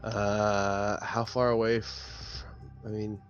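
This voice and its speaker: Slow, halting man at a game. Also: fairly low pitch, little pitch movement. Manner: hesitant, halting. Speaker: tabletop game player. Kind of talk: casual game chat. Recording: dull lo-fi mic with music.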